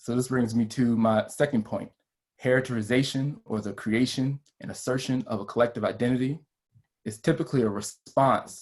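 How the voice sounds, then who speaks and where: A man speaks with a Virginia accent. His intonation stays fairly even. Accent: Virginia Southern US. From US South, rural South Central Virginia (Farmville). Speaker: public historian, panelist. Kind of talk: panel discussion, prepared remarks. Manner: hesitant with many fillers.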